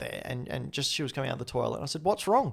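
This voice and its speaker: A man talks in an Australian accent. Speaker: podcast co-host. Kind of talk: casual chat.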